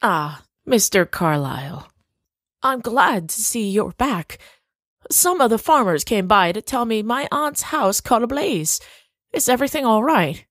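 Slow, genteel, quietly menacing lady played by an actress. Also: a little high, sing-song, no room sound, clean studio sound, heavily acted. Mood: polite. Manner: slow, polite, measured, veiled threat. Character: genteel, coolly menacing woman, a veiled witch. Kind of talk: audio drama acting.

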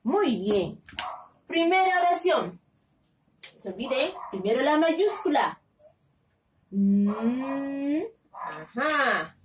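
A woman teaching kindergarten, dictating sentences slowly, syllable by syllable, in a sing-song voice. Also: sits high, sing-song, noisy background. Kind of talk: slow, sing-song class lesson for small children. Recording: echoey room, slightly distant from the mic.

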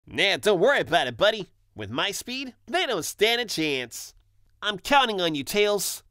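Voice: mid-range voice, sing-song, normal speed, pushed and bright, no echo, clean studio sound. A performer voicing a cocky, upbeat young male hedgehog hero from a video game, brash and breezy in delivery. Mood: confident. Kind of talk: video game character voice demo.

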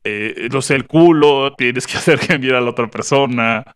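A man's voice: medium pitch, a bit bright, clear, resonant tone, pitched below the performer's own voice, natural voice. A Mexican man in his thirties playing an earnest, hesitant reality-show producer in a prank call, stammering and repeating himself. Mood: hesitant, salesmanlike. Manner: halting, repetitive, stammering delivery. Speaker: prank caller. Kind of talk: improvised phone prank. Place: small indoor podcast studio. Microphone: close studio microphone.

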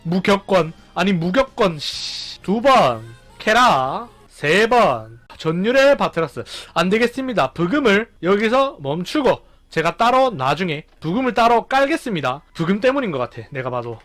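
Male gaming streamer: high, bouncy voice full of countdowns and shouts, over soft game music. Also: moderate pace, few pauses. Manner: animated, counting down and exclaiming loudly. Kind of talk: excited gameplay commentary.

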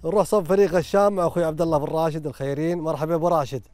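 Fast-talking man hosting, dry close mic. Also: a little high, steady tone, darkish tone, dry recording. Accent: Qatari Arabic. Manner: brisk, friendly greetings and rapid questions. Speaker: studio host. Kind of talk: live broadcast check-ins by radio link.

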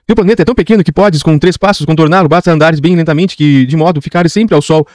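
A man's voice: a little high, quick pace, a little mellow, dry recording, studio quality, lightly acted. A man voicing a curious, persistent little boy prince who asks question after question. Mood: gentle. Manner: earnest, insistent questioning.

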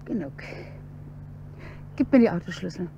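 An actress playing a cold, scheming wealthy wife in a radio play, curt and commanding. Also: female voice, on the low side, expressive, moderate pace, gravelly, warm tone, slight background noise. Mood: icy.

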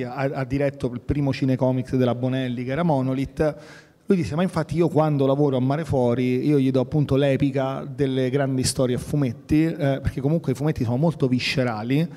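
A man moderating a festival panel, calmly retelling an earlier conversation. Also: medium pitch. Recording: reverberant hall.

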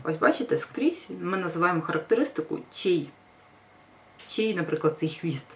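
Low-voiced woman teacher, a bit off-mic. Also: animated, normal speed, far from the mic, a little hiss or hum. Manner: patient, reassuring, stresses example words. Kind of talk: grammar lesson explanation.

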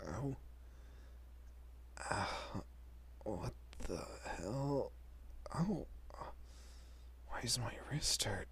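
A man playing a protective, easily bewildered young husband and father in an audio roleplay, with a husky, breathy, often whispering voice and halting, muttering delivery. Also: medium pitch, animated, a little hiss or hum. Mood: groggy, confused. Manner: halting, muttering, mild swearing.

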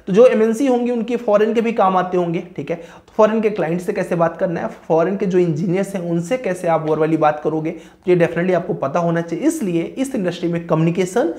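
A man's voice: high-pitched, fairly quick, a little mellow. A man who teaches civil engineering gives an informal career-advice lesson. He works through long lists, checks in with "okay," and mixes English technical terms into his speech.

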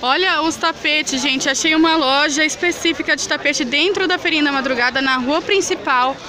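A woman's voice: sits high, moderate pace. Chatty young Brazilian woman vlogger. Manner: chatty, enthusiastic, addresses viewers as "gente". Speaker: shopping vlogger. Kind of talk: casual vlog, showing products. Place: indoors at a busy market shop. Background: crowd chatter.

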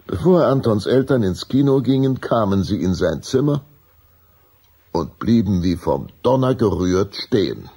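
A man narrating a children's radio play as an unhurried storyteller, with a dark, husky, gravelly voice. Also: lowish voice, lively intonation, heavily acted. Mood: measured.

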